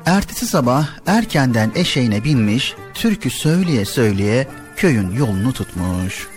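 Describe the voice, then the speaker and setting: A man's voice: mid-range voice, big pitch swings, normal speed, darkish tone, soft background music. A man narrating a scripted folk tale as a storyteller on a radio show.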